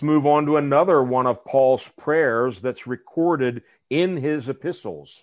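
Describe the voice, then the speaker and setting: An ordinary speaking voice from a man, fairly high in pitch, with ordinary pitch variation and a fairly slow pace against a quiet background. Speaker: preacher. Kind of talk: sermon. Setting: church.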